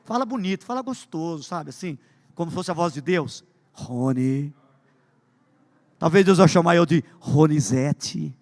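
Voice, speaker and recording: A man preaching a sermon with humorous stories, swinging between loud emphasis and hushed asides. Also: fairly high pitch, normal speed, in a large hall. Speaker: pastor.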